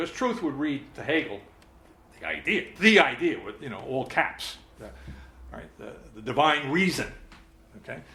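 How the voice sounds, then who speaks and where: A man's fairly high, bright and sharp voice with vocal fry, very wide pitch swings, big swings in loudness, a moderate pace, long and frequent pauses, and audible room echo. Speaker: philosopher leading a seminar. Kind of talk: seminar lecture. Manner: halting, with many repetitions.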